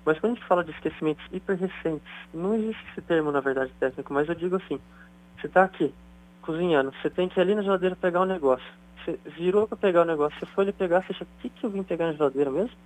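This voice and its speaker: A man's voice: a little high, very fast, a little mellow, poor audio. A man, a doctor, explaining things in a chatty radio interview. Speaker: neurosurgeon guest.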